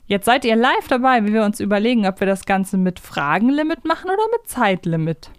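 A woman's voice: medium pitch, animated, fairly quick, smooth, no room sound, studio quality. A woman hosting a podcast, chatting casually and bantering through a quiz game. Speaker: podcast host.

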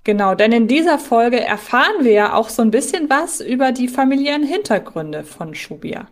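A woman's voice: fairly high pitch, very animated, normal speed. A woman co-hosting a podcast, thinking aloud in a casual, conversational way. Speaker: podcast co-host.

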